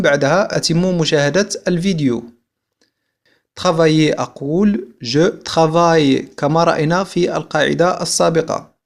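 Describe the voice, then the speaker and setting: A man from Algeria with a somewhat high voice teaches a video language lesson. He drills each example sentence slowly and repeats it before explaining it in Arabic. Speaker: French teacher.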